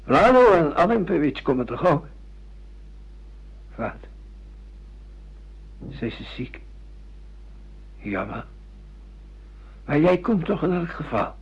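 An actor in a radio play playing a stubborn, weary older father with a husky, breathy voice. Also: a little high, big pitch swings, slow, long pauses, heavily acted. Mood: nostalgic, pleading. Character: stubborn weary father being re-educated after an accident. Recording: dull lo-fi radio play recording.

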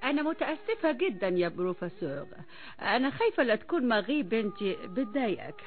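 A lively, apologetic Egyptian mother. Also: on the high side, quick pace. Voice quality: apologetic and polite. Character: polite, apologetic young mother. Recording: tinny lo-fi archival radio.

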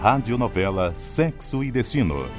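Lively male radio announcer over music. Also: mid-range voice, moderate pace. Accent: Brazilian. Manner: formal, emphatic announcing. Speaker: credits announcer. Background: prominent music.

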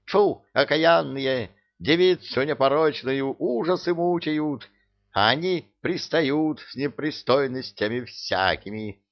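A man voicing a grumpy, bossy old witch with a shrill, scolding voice, read as a storybook. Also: animated, measured pace, gravelly. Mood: indignant. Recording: dull lo-fi recording.

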